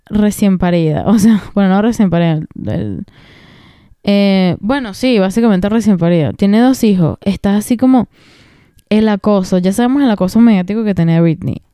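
A woman's voice: mid-range voice, warm tone, smooth, no echo, clean studio sound. A young woman hosting a podcast, talking in a casual, emphatic and slangy way and dropping in English phrases. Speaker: podcast host.

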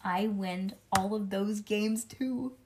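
A woman voicing a boastful, excitable kindergarten girl who narrates her day in childish grammar, as in a storybook read-aloud. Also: mid-range voice, takes it slowly, background noise. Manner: childish grammar, bragging, dramatic emphasis.

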